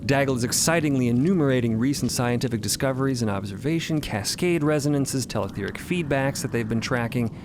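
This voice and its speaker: A man's voice: mid-range voice, a little fast, few pauses, background noise. A man narrating a scripted fiction podcast with conversational, wry asides.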